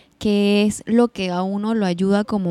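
A woman speaks at medium pitch in a dark, mellow tone. The sound is dry and close, with no echo. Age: 20s. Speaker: podcast host. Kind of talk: interview.

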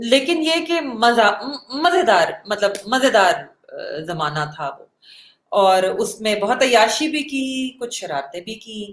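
A woman's fairly high voice swings very widely in pitch. Her loudness also rises and falls in big swings. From Pakistan, Lahore. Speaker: journalist, news bureau chief. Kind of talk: casual interview.

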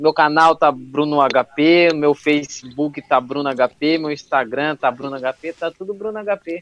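This man's voice sits fairly high in pitch, with ordinary pitch variation and hardly any pauses at a very slow pace. The sound is dry and close, with no echo. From Pindamonhangaba, interior of São Paulo state, Brazil. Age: 20s. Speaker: rapper. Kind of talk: casual interview chat.

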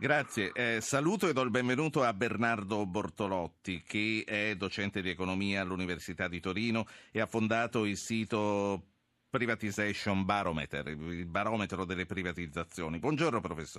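A man speaks with ordinary pitch variation. He has a plain, everyday voice. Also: fairly low pitch for a man, moderate pace. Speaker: radio host. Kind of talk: live call-in current affairs show. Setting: radio studio.

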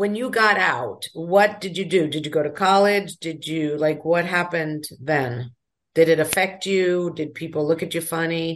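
In a plain, everyday voice, a woman speaks at a moderate pace with fairly low pitch and ordinary pitch variation. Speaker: podcast host. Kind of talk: interview.

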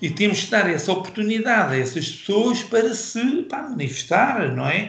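Amid noticeable background noise and audible room echo, a man speaks at a moderate pace in an animated tone with very wide pitch swings. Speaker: former kickboxing champion and coach. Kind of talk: interview.

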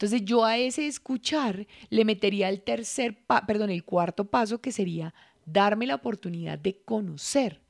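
A woman with an unremarkable speaking voice, fairly high in pitch, lively intonation, moderate pace, a dry, close sound with no echo, on a very clean recording with a silent background. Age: 40s. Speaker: leadership coach. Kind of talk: podcast monologue. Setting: indoors by a window.

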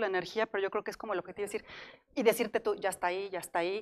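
Very fast and fairly even in intonation, a woman talks on a very clean recording with a silent background. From Mexico, Celaya (Guanajuato). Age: 40s. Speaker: mountaineer. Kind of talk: interview.

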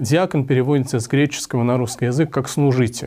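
A man's voice at medium pitch. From Moscow, Russia. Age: 40s. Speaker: priest. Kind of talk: interview answers. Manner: halting with filler sounds.

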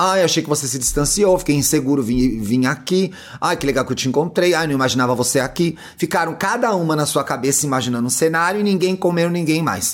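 This man talks at a fairly quick pace in a fairly high, animated voice with lively intonation. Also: hardly any pauses. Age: 30s. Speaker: podcast host reading listener stories. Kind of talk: reading aloud listener letter with comments.

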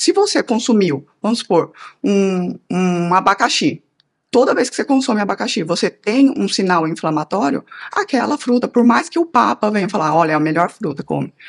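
A woman's medium-pitched voice at a moderate pace, with very wide pitch swings and a dry, close sound with no echo. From Brazil, Rondônia. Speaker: physician. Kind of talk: interview.

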